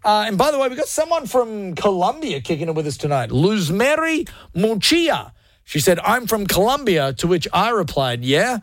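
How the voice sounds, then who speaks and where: A man's voice: high voice, sing-song, normal speed, a bit bright, no room sound. A man hosting a radio show, hyped and jokey, poking fun at himself. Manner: hyped, jokey, self-mocking. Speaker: radio host. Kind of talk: energetic radio banter. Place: radio studio.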